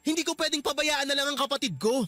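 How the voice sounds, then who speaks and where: A man's voice: very high voice, fast, sharp tone, no echo, faint music behind. A man playing a young husband in a radio drama, defensive and pleading. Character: young husband, soft-hearted and placating.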